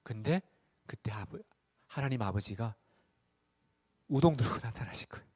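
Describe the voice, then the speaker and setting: A man's voice: medium pitch, expressive, moderate pace, a little mellow, slightly rough. A middle-aged male pastor preaching a sermon, firing rhetorical questions at the congregation and acting out the voices in his stories.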